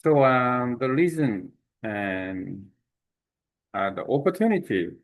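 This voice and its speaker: Slow, halting Korean-accented man. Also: medium pitch, lively intonation. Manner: halting, many fillers and restarts. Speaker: language exchange speaker. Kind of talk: unscripted talk to camera.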